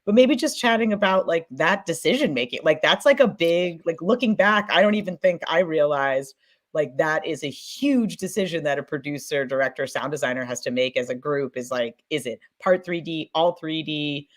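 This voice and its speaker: A woman's voice: low voice, animated, moderate pace. A woman moderating a panel in casual conversation, asking loose, rambling questions peppered with filler words. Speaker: panel moderator, podcast producer.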